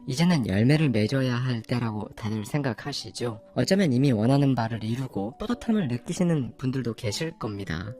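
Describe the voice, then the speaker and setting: A man's voice: mid-range voice, creaky, darkish tone. A man in his forties hosting a reflective motivational talk, speaking straight to his listeners and posing rhetorical questions. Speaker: channel host.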